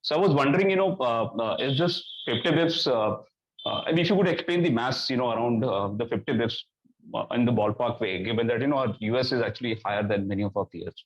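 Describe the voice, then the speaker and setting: A man's voice: medium pitch, fast talker, no echo, muffled recording. A man asking questions as an analyst on an earnings call, polite, hesitant and roundabout, over a conference line. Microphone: phone or conference call line.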